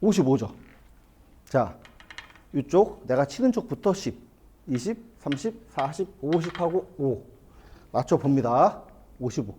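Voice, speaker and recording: Lively warm-voiced man teaching billiards. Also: on the high side, unhurried, pauses often, a little hiss or hum. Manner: explains step by step, asks the viewer rhetorical questions. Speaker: billiards instructor. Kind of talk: hands-on lesson, talking while playing. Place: billiard hall, indoors.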